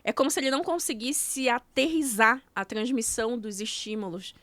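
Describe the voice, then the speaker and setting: A woman with a fairly high voice talks as a podcast guest, laying out her points one step at a time. Her comes through in easy, casual speech. The sound is close and dry, with no room behind it. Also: expressive, moderate pace, a bit bright, no room sound. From Brazil. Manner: explanatory, walks through steps one by one. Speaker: guest, nutrition coach.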